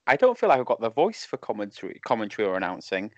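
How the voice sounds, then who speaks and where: A man in his thirties with a lisp, talking casually as a podcast guest over a remote call, self-deprecating and halting. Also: on the low side, wildly swooping pitch, no room sound. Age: 30s. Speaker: podcast guest, wrestling referee. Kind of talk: casual chat. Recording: dull lo-fi call audio.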